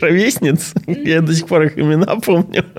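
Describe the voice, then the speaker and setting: Here is a man with a normal speaking voice. He sounds fairly high for a man and keeps a moderate pace. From Moscow, Russia. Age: 30s. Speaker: founder of a children's hiking project. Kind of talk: casual interview conversation.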